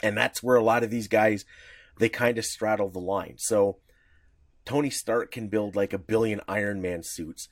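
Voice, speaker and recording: A man's voice: lowish voice, fairly even intonation, normal speed, no room sound, studio quality. A man co-hosting a podcast, explaining at length in a casual, rambling way with lots of fillers. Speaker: podcast co-host.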